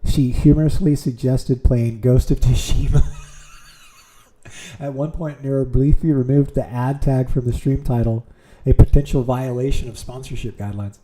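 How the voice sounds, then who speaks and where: A man's voice: mid-range voice, steady tone, a little slow, warm tone, slight background noise. A man streaming from home, reading aloud with amused reactions, with keyboard clicks nearby. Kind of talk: casual streaming commentary.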